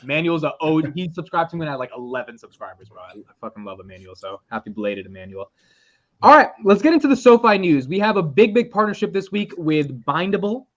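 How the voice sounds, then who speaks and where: A man in his twenties hosting a casual group podcast, animated and swearing freely. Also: fairly high pitch, fast talker, dull audio. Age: 20s. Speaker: podcast host.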